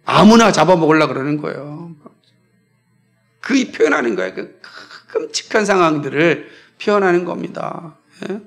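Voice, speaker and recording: A man's voice: on the high side, animated, moderate pace, vocal fry. A man from South Korea preaching a sermon as pastor, emphatic and firing repeated questions at the congregation.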